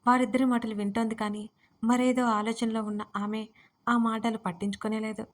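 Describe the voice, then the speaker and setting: A woman narrates a romance audio story with a steady, even delivery. Her voice sits somewhat high. She keeps the melody flat, with little rise and fall. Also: normal speed.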